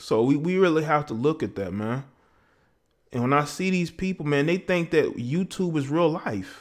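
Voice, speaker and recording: A man speaks in a Southern US accent. His intonation is lively and his pace moderate. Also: fairly high pitch for a man, quiet background. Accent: Southern way of talking. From US South. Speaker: YouTube livestreamer. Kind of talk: live stream chat. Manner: unscripted, off the cuff; repetitive filler, verbal stumbles.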